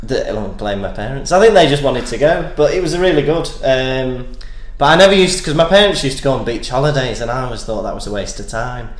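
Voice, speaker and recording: A man's voice: medium pitch, fast talker, few pauses. A man from North Wales with a northern English accent from Manchester, chatting casually and jokily as a podcast co-host. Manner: rambling, self-deprecating, jokey. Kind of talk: casual comedic chat. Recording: echoey room.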